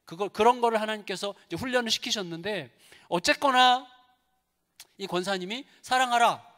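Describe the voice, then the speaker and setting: A male pastor preaching a sermon in a church, telling a story with lively acted-out quotes and prayers. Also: high-pitched, brisk. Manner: animated storytelling, acts out quoted prayers and dialogue. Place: large church sanctuary. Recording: long hall reverb in church.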